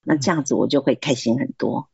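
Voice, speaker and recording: A woman's voice: very deep voice, fast, gravelly, mellow, slightly rough, no room sound, highs cut off. A woman giving earnest, encouraging Christian advice on marriage and self-control, acting out quoted remarks. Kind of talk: faith-based advice talk.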